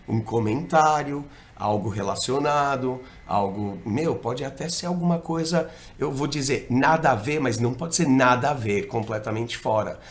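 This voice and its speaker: A man, talking on a casual podcast. His pitch jumps up and down as he explains, and he uses lots of slang and piles up example after example. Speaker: podcast co-host and dating coach.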